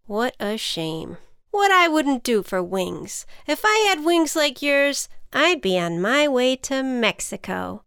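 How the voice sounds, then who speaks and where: A woman's voice: high voice, sing-song, slow, fairly bright tone, smooth, dry recording, clean studio sound, full character voice. A woman voicing a small, cheeky male ant who persuades and encourages in a chummy, folksy way, as in a children's storybook. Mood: needling.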